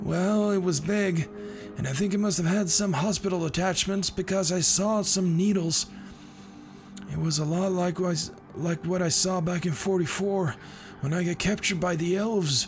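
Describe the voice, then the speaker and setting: Over clear background music, a man puts on a croaky, high-pitched character voice, keeping his loudness very even at a moderate pace. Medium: actual play. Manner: suspicious, grumbling.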